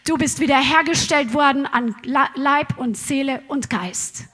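A woman preaching a charismatic sermon, fervent and building to loud exhortation. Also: sits high, measured pace.

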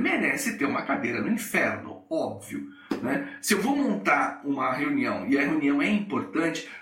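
A man's voice: mid-range voice, reverberant, distant mic. A middle-aged Brazilian man hosting a coaching podcast, telling a workplace story and acting out the people in it. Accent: Brazilian Portuguese. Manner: animated, acts out the people in his stories. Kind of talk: storytelling monologue.

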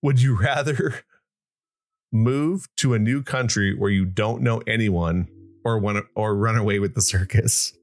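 A man's voice: on the low side, a little slow. A man hosting a podcast in casual chat, rambling with many restarts and fillers. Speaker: podcast host.

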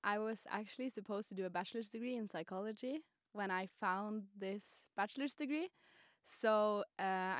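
A woman's voice: mid-range voice, no echo, studio quality. A twenty-year-old woman from Norway, a student guest on a podcast, chatty and prone to restarting words. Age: 20s. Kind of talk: casual podcast interview.

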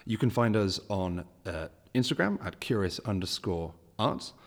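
A man's voice: fairly low pitch, big pitch swings, a little slow, long reverb tail. A man hosting a casual interview podcast, chatty and rambling, with lots of restarts in his questions. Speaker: podcast host.

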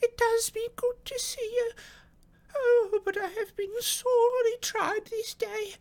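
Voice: extremely high pitch, a little slow, pitched above the performer's own voice. A narrator voicing a thin old housekeeper, frightened, tearful and devoted, in an audiobook story. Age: older. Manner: tearful, repetitive, fretful pleading.

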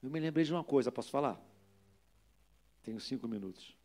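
A man with a Brazilian accent, a pastor preaching a sermon and telling a lively story, acting out the people in it. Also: mid-range voice, fairly quick.

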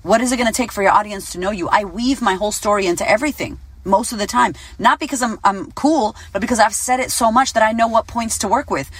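A woman in her late thirties, a business coach giving a casual motivational talk, blunt and animated, swearing freely. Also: medium pitch, husky, no room sound, low-quality recording. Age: 30s. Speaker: business coach and podcast host.

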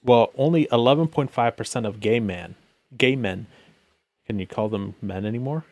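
A man's voice: mid-range voice, moderate pace, a little mellow, no room sound. Sarcastic man with a dry close sound. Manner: sarcastic, reads headlines and stats aloud with many fillers. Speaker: podcast co-host. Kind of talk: casual political commentary chat.

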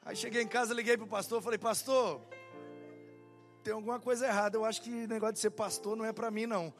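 A young man preaches as a pastor, telling a story and acting out the quoted dialogue with animation. His voice sits high and moves fast, with soft music in the background. It's sermon storytelling.

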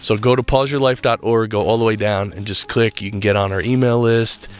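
A man's voice: on the low side, steady tone, a little fast. A man hosting a spiritual podcast, talking earnestly and reflectively while walking outdoors, a little stuffed up and nasal. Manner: earnest, reflective, loose talk with restarts. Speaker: podcast host. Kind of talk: solo spiritual podcast monologue. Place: walking outdoors in a state park.

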